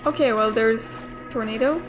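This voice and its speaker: A woman's voice: a little high, normal speed. A young woman casually commenting and thinking aloud while playing a video game, swearing now and then. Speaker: gamer playing through a game. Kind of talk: casual let's play commentary. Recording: game music playing clearly behind. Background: game music.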